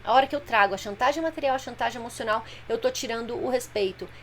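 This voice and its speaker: Woman, parenting coach, higher voice, live stream talk, plain explanations, faint room ambience. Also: quick pace, slight background noise. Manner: explanatory, plain-spoken, addresses viewers directly.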